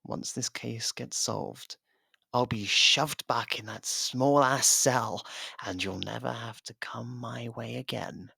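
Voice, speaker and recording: A man playing a guarded, sarcastic, foul-mouthed convicted murderer in an ASMR roleplay audio drama, with a gravelly, creaky voice. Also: medium pitch, steady tone, slow, pushed and bright, dry recording, studio quality, exaggerated voice. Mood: cold, warning. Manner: sardonic, foul-mouthed, needling.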